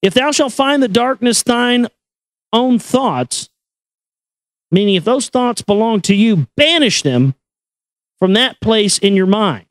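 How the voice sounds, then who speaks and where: Man, high voice, solemn incantatory recitation, unhurried pace, dry close sound. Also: animated, no room sound. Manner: incantatory, measured, deliberate. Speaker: reader and commentator. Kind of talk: solemn recitation of an esoteric text with brief asides.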